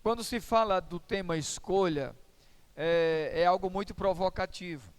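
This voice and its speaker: A man with a high, clear and resonant voice delivers a sermon as pastor. He preaches in a relaxed, conversational way, mixing humor and everyday stories into the message. The voice carries the easy warmth of someone talking directly to a church congregation. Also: unhurried.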